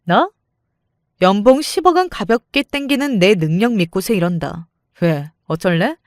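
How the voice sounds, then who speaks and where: A woman's voice: mid-range voice, animated, normal speed, no echo, close to an everyday voice. Woman doing brash nasty older sister in a story, taunting n threatening, dry sound. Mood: threatening, boastful. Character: brash, menacing older sister, mocking and foul-mouthed.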